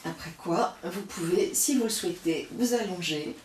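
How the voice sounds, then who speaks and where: A woman yoga teacher giving slow, calm guided cues through a breathing and posture practice. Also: lowish voice, echoey room, far from the mic, a little hiss or hum.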